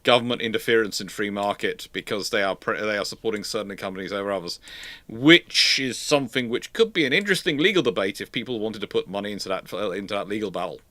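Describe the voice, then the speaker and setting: Fast and sharp-toned, the man's fairly low voice carries no room sound. He's hosting a casual live question-and-answer stream for viewers, stumbling over words and repeating them as he restarts his phrases.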